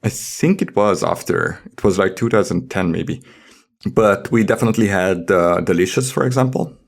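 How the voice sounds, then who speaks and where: A man with a quite low-pitched voice chats as a podcast co-host. He explains his points informally, working through examples in a tentative, conversational way. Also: moderate pace, creaky. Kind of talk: casual podcast discussion.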